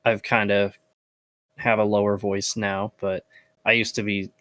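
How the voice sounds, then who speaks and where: A man's voice: on the low side, level tone, measured pace, fairly bright tone, no room sound. A man co-hosting a casual podcast, laid-back and hesitant, with lots of fillers. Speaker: podcast co-host.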